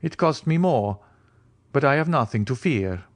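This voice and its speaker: Male narrator as a mysterious aristocratic count, raised pitch, formal, precise, self-assured, loftily composed, audiobook dialogue. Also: animated, unhurried. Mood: lofty, calm.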